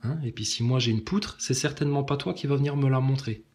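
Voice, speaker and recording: A man delivering a combative, mocking monologue aimed at his commenters, with big swings in pitch. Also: quick pace, a little mellow. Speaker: online commentator.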